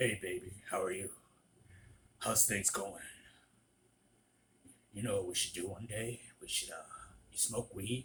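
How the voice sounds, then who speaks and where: Using a guttural, put-on character voice, a man speaks with long, frequent pauses. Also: medium pitch for a man, moderate pace. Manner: creepy, flirty.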